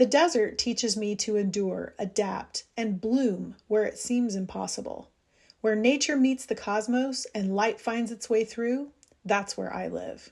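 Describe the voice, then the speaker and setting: A woman speaks fairly slowly in a fairly high pitch, with an unremarkable speaking voice and ordinary pitch variation. The recording is very clean, with a silent background. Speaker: artist. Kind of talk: advertisement read.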